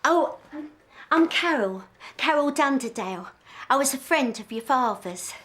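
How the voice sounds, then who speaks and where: A woman's voice: high-pitched, animated, a little slow, fairly bright tone. An actress in a TV drama playing a chatty, frank woman visitor, friendly and blunt. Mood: candid. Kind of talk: TV drama acting.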